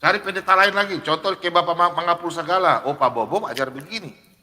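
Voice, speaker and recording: A man's voice: a little high, fast talker, in a large hall, noisy background. A man speaking as a Christian apologist on a livestream, preaching off the cuff, firing rhetorical questions, reciting verse references and calling himself by name in the third person. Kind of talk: unscripted live preaching, reading scripture.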